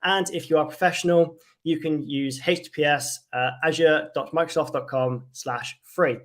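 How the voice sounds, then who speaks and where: An enthusiastic young man hosting a livestream tech lesson, his voice sitting a little high for a man. He keeps the energy up and fills his talk with cheerful praise for the material. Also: steady tone, moderate pace. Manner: enthusiastic, lots of "wonderful" and "fantastic". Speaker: cloud advocate presenting a livestream. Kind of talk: upbeat livestream tech presentation.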